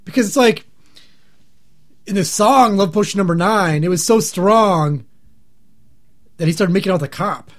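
A man co-hosting a podcast in casual chat, a little hoarse and scratchy from being sick, clearing his throat often as he rambles and jokes. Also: high-pitched, moderate pace, long pauses. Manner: rambling, joking. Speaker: podcast co-host.

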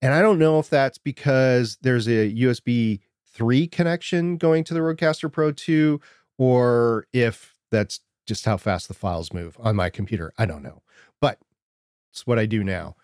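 Quiet-voiced man in a home studio. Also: medium pitch, normal speed, smooth, no echo. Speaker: podcast co-host. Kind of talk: casual tech chat.

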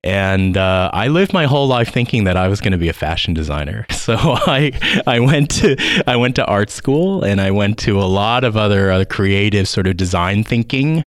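A man's voice: on the low side, expressive, moderate pace, few pauses, no room sound. A man in his forties with a Southern Californian accent, a guest on an interview podcast, talking in an eager, rambling way with many fillers. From United States. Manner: enthusiastic, rambling with fillers and laughs. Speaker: guest educator.

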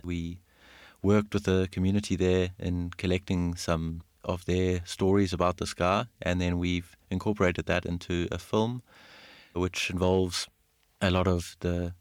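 Brief: low-voiced male co-host, easygoing, quick to laugh, dry close-miked sound. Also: no room sound. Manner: laughs often, relaxed and self-deprecating. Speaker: podcast co-host, science engagement astronomer. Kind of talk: casual chat.

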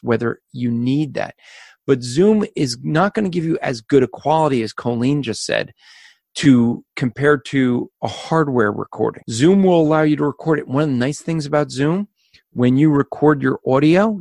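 Loud, carrying male podcast co-host. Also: on the high side, no echo, studio quality. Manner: energetic, explanatory, addresses listeners as folks. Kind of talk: casual instructional podcast talk.

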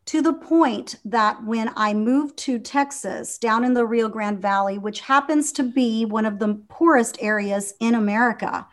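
Earnest woman in her 50s, kinda high voice, lots of ums and restarts. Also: a little slow, hardly any pauses. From Venezuela. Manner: earnest, with frequent fillers and restarts. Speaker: guest. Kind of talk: conversational interview.

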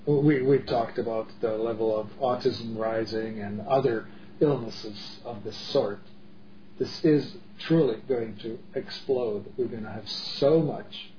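A middle-aged man from the Czech Republic, talking in an earnest, emphatic way with many restarts in a casual discussion. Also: mid-range voice. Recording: dull lo-fi audio with faint noise.

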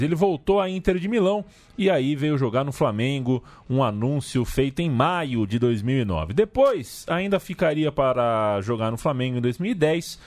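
A man's voice: mid-range voice, a little mellow. A Brazilian man chatting casually about football as a co-host, colloquial and anecdotal, often adding tag questions. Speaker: podcast co-host.

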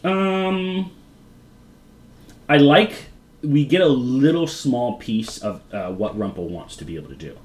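Podcast co-host, blunt and opinionated, voice swinging widely in pitch. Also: lively intonation, a little slow, a little mellow. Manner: opinionated, blunt, argues points. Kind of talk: casual chat recapping a TV episode.

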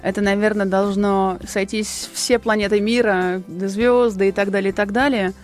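A woman of medium pitch talks as a guest on a radio programme, recounting her career at an easy, unhurried pace. Soft music plays faintly under the studio talk. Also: steady tone. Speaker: singer and TV presenter, guest. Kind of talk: radio interview.

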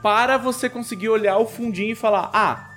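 A Brazilian man with a voice slightly on the high side gives his opinions as a podcast co-host. He speaks casually and emphatically, checking in often, over faint background music. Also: brisk, a bit bright. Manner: emphatic, with frequent check-in tags.

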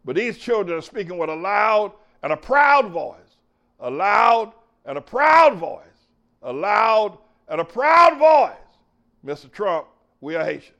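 A man's voice: high-pitched, big pitch swings, takes it slowly, gravelly, fairly bright tone, muffled recording. A man hosting his own show as a pastor, preaching emphatically, repeating phrases and calling cues to his engineer. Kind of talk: preaching talk show monologue.

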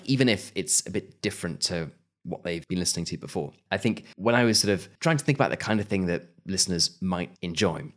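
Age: adult. Sex: man. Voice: very low. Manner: measured, thoughtful podcast guest. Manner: measured, thoughtful, with hedges and restarts. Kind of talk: remote podcast interview.

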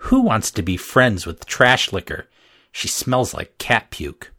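A man's voice: on the low side, huge pitch swings, unhurried, sharp tone, a little hiss or hum, full character voice. A man putting on a sneering schoolgirl bully. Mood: taunting. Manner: sneering, mocking. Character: mean taunting schoolgirl.

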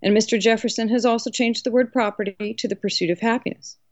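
A woman's voice: fairly high pitch, steady tone, fast, dry recording, pitched above the performer's own voice, lightly acted. A woman reading the part of an earnest, learned male colonial law professor, didactic and emphatic, from a historical novel. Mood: earnest, instructive. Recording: dull lo-fi audio.

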